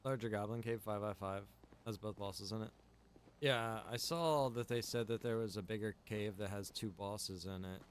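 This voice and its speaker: A man's voice: fairly low pitch, normal speed. A man chatting casually on a live game stream, rambling as he thinks aloud. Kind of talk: casual live-stream chat while gaming. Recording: clear background noise.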